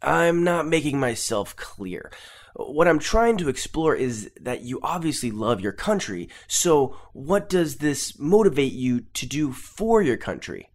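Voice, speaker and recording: A man plays an earnest, polite Canadian TV interviewer with a Canadian accent. He stammers and restarts as he presses his questions, his voice at a middle pitch but lively in its rise and fall. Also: unhurried.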